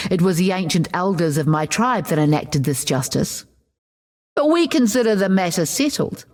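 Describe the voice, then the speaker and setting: An actress plays a proud woman warrior of a tribal people in a fantasy game. She recounts myths with measured assurance and firm opinions, at a medium pitch. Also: a little mellow, lightly acted. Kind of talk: scripted in-character lore narration.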